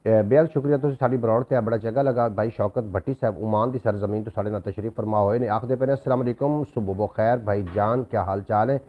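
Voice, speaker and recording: A fairly low-pitched man hosts a casual live stream. He speaks courteously and keeps blessing and thanking his viewers. His voice comes through dull and lo-fi on a new microphone. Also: a little fast, few pauses.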